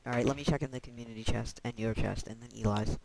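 A man's voice: medium pitch, steady tone, fast, gravelly, background noise. Laid-back man chatting over a game. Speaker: let's play host. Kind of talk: casual gaming commentary.

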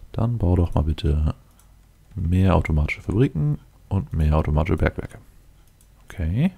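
A man with a very low, dark and relaxed voice hosts a let's play. He talks through the game off the cuff, matter-of-fact, as if mostly speaking to himself. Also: creaky. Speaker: let's play video host. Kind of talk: casual improvised game commentary, thinking aloud.

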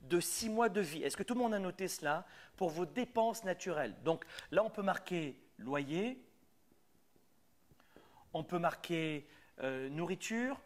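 A middle-aged man with a French accent coaches would-be entrepreneurs live. He talks emphatically and keeps repeating his key points. His voice sits a touch higher than most men's. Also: animated, measured pace. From France. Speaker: business coach. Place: Quebec.

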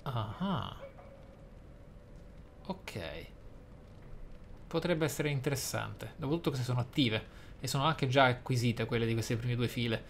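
This let's player has a mid-range voice and speaks a bit slowly, pausing often, with some hiss or hum on the recording. His game commentary is wordy and formal as he reads skill descriptions out loud.

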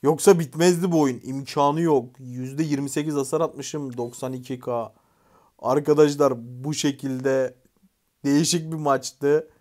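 A man voicing his own mobile game match, talking loosely to himself and his team. He drifts between muttered thinking and loud, excited calls for the team to attack. The sound is close and casual, like a streamer at his desk. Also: on the high side, unhurried. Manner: excited shouting at teammates; chatty, swears casually. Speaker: gaming YouTuber. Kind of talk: live gameplay commentary.

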